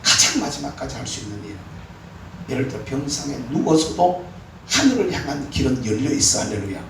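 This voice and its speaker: A man preaching a sermon as pastor, exhorting with animated, emphatic peaks. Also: medium pitch, brisk. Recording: echoey hall, mic far off, faint room noise.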